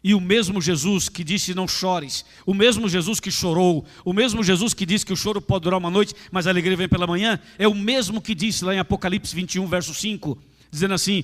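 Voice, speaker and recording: Male pastor, Brazilian Portuguese accent, high voice, emphatic sermon, long church reverb. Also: a bit bright. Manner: emphatic, repetitive preaching, addresses listeners directly. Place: large church with a gallery. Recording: echoey church hall.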